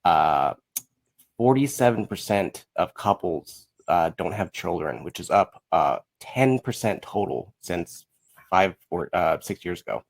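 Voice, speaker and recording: A man in his thirties with a slightly low voice. He chats casually as a guest, wandering through his thoughts and slipping into quoted bits of dialogue. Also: very animated, a little slow, vocal fry. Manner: rambling, often quotes himself and others in dialogue. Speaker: podcast guest, musical writer. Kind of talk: casual chat.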